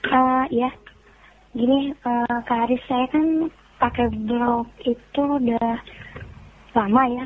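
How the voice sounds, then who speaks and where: A young woman calling in to a radio show by mobile phone, chatting in a casual, rambling way. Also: fairly high pitch. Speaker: phone-in caller. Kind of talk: casual chat. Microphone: mobile phone call. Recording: tinny phone line, faint noise.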